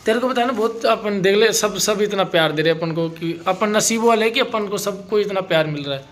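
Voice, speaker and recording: Male family vlogger with a high voice, coaxing and reassuring, casual chat to camera. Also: fairly quick. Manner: coaxing and comforting, talks to camera and partner. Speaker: vlogger host.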